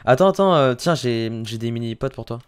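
A man's voice: mid-range voice, expressive, a little fast, a little hiss or hum. A young man from the Paris area with a French accent, chatting casually and in slang as a gaming YouTuber on a desk microphone. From France, Paris area. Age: young adult. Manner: informal, slangy. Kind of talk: casual gaming vlog chat. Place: small home gaming room. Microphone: desk studio microphone on arm.

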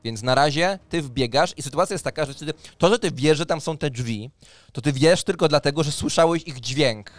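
A man narrating a tabletop role-playing game as game master, pausing deliberately as he describes scenes. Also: on the high side, dry recording. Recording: music under the voice. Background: background music.

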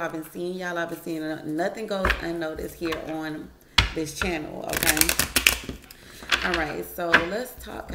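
A woman's voice: fairly low pitch, echoey room, heavy background noise. A woman giving a casual tarot reading at home, chatting to her viewers and musing over each card aloud. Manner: chatty, addresses viewers as y'all, muses over cards aloud. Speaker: tarot reader. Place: home, at a wooden table.

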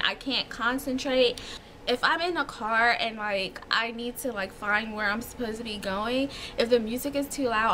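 Bright chatty woman in her thirties. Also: fairly high pitch, a little hiss or hum. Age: 30s. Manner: chatty, giggly, lots of fillers. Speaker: vlogger. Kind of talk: casual chat answering tag questions. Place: small home room with shelves.

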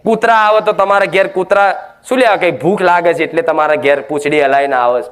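A man's voice: fairly high pitch, brisk, a bit bright. A man preaching a devotional sermon at a goddess shrine, scolding his listeners and throwing rhetorical questions at them.

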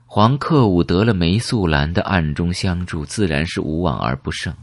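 A man voicing a calm, secretive elderly woman who reminisces in a measured, wistful way in an audiobook. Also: low-pitched, no echo, studio quality. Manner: slow, measured, reminiscing with rhetorical questions.

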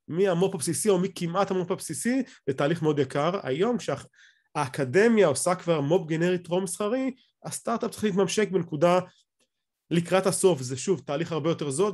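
An Israeli man in middle age speaks in a fairly high male voice. He lectures off the cuff over slides on a video call. His delivery is explanatory and somewhat halting, with phrases often begun again. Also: a little mellow. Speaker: academic lecturer.

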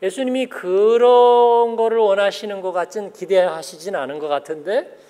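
A man's voice: high-pitched, moderate pace, smooth. A male pastor giving a conversational sermon, often asking the congregation questions and acting out the people he describes. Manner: animated, asks the congregation questions; acts out the people he quotes. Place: church sanctuary. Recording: long church hall reverb.

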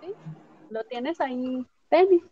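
A woman teaching a software tutorial step by step, patiently checking that her student follows along. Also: high-pitched, expressive, takes it slowly, crowd noise. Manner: patient, explanatory, checks understanding with tag questions. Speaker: instructor. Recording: dull lo-fi dry audio.

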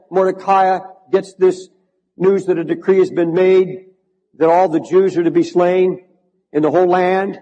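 A man's voice: high-pitched, dark tone, big-room sound, rough recording. An older man preaching a sermon to his congregation in a large church, building to fervent, emphatic repetition. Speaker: pastor.

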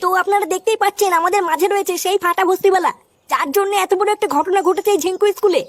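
A woman's voice: extremely high pitch, fairly even intonation, rapid-fire, slight background noise. A woman voicing an inquisitive television reporter in a parody cartoon news report, formal and announcing.

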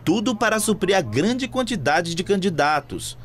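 A male reporter with a northern Brazilian accent reading a news report voice-over in a brisk, measured way. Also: sits high, sing-song, slight background noise. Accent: Brazilian Portuguese, northern.

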